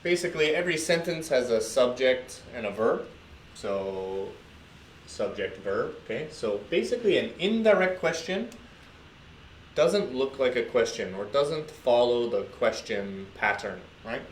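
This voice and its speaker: A man's voice: medium pitch, animated, unhurried. American man teaching grammar in an echoey room. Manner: patient, repeats key points with many "okay?" checks. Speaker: English teacher. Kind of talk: explaining grammar at a board. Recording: echoey room with faint noise.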